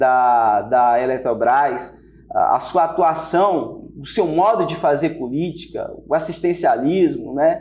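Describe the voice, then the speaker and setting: Speaking at a very slow pace, a man has a high pitch. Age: 30s. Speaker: politician, public school teacher. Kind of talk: political interview.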